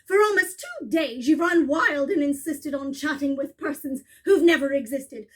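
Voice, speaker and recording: A woman voicing a scornful, bossy female kangaroo who speaks in a sneering, haughty way. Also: high-pitched.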